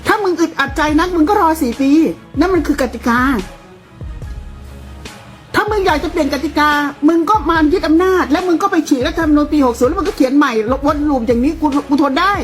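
Blunt, high-voiced woman, coarse and combative. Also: brisk, faint music behind. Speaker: political commentator. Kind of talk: heated political commentary.

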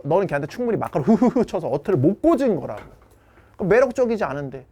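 Brash fast-talking male coach. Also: sits high, warm tone. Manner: brash, swearing, talks down to students. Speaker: dating coach. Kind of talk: blunt coaching lecture.

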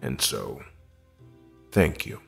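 An actor playing a dignified, reserved space admiral who speaks in formal, measured, articulate phrases in an audio drama. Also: male voice, sharp tone, faint music behind. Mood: guarded, grateful.

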